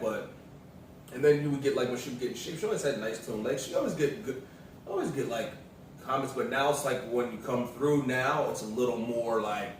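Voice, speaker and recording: A man telling stories in casual chat with his partner, relaxed and rambling, full of fillers. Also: mid-range voice, a little hiss or hum. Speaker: vlogger's partner. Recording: echoey room, mic at a distance.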